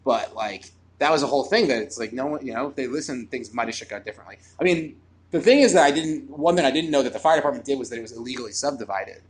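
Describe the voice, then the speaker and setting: A man's voice: medium pitch, lively intonation. A man in his twenties, a comedian, chatting casually at a bar and rambling with lots of fillers. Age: 20s. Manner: rambling, talks fast with many fillers. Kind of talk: casual chat.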